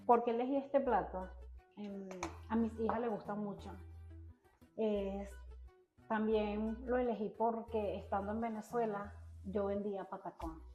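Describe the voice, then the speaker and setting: A woman's voice: medium pitch, fairly even intonation, a little slow, echoey room, narrow, tinny audio, faint music behind. A woman cook speaking sincerely about her dish in a documentary interview.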